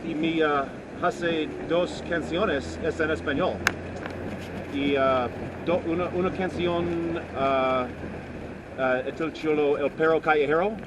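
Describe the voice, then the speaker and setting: A man talks in slow, halting learner's Spanish full of fillers and restarts, his voice sitting somewhat high. He rides in a taxi with street and engine noise clearly audible underneath. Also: steady tone. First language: English. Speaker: musician and songwriter. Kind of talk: casual chat in a taxi. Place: inside a moving taxi. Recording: noisy car ride recording.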